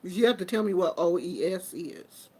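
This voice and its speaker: Casting: woman in her fifties, relaxed and chatty host talking straight to viewers. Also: on the low side, moderate pace, slightly rough. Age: 50s. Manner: chatty and informal, with colloquial phrasing. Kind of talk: casual live chat with viewers.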